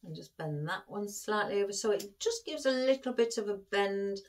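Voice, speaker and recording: A woman's voice: mid-range voice, expressive, moderate pace. A woman with a chatty manner, giving a craft tutorial and calling her viewers guys as she talks them through each step. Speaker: florist demonstrating an arrangement.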